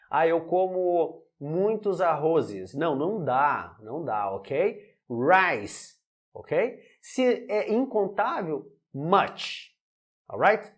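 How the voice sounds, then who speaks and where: A man with a Brazilian Portuguese accent teaching an English lesson, repeating example sentences and checking in often. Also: high-pitched. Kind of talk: online language lesson.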